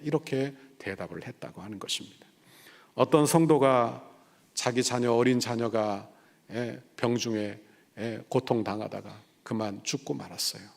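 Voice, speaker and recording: A man's voice: mid-range voice, normal speed, vocal fry. A middle-aged man, a senior pastor, preaching a sermon and telling stories, acting out the people he quotes and building to emphatic passages. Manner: storytelling, acting out quoted voices.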